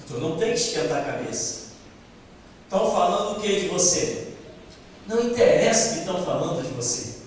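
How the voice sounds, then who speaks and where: A man's voice: sits high, sing-song, fairly quick, pauses often, slight background noise. A male preacher delivering an impassioned sermon and acting out biblical dialogue. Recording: echoey hall, distant mic.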